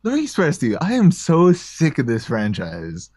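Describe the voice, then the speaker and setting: A man's voice: on the high side, wildly swooping pitch, normal speed, darkish tone, husky, no echo, clean studio sound. A man from the United States, a guest on a gaming podcast, joking casually and saying "like" a lot. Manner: joking, peppers talk with "like". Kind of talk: casual chat.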